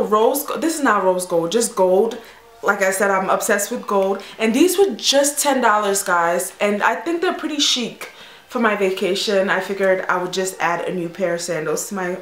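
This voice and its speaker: A woman's voice: medium pitch, echoey room, a little hiss or hum. A woman in a casual haul video, chatting in a bubbly, gushing way with lots of fillers. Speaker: fashion vlogger.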